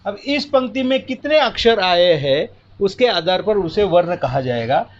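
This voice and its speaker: Patient high-voiced male teacher. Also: big pitch swings, unhurried. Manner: patient, step-by-step explaining with counting aloud. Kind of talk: classroom lesson at a board. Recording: muffled lo-fi audio.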